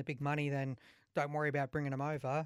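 Heard in a very clean recording with a silent background, a man with an Australian accent and a fairly high pitch sounds dry and close, with no echo. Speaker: former footballer turned radio co-host. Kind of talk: sports talk radio. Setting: studio.

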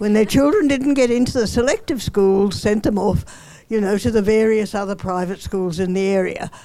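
In an Australian accent, the words come at a moderate pace. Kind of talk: audience comment. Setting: stage with audience.

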